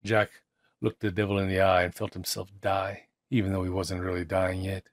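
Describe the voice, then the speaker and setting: Low-voiced man telling a dramatic tale. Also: completely flat delivery, no echo, clean studio sound. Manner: theatrical, with deliberate pauses and emphasis. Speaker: audiobook narrator. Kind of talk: dramatic literary storytelling.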